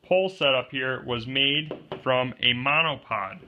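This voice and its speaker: In an unhurried, mid-range voice, a man presents a hands-on how-to for a homemade camera pole used as DIY kayak gear, plainly naming each part as he goes. The audio is dull with a little hiss or hum. He narrates off-camera over an overhead view of his hands on a wooden table indoors.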